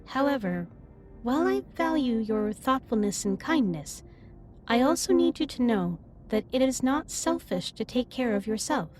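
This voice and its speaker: High-voiced, formal, caring alien captain played by a woman. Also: sing-song. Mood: solemn, supportive. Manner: formal, measured phrasing, gently reassuring. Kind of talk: scripted roleplay audio drama, intimate comforting monologue. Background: ambient music.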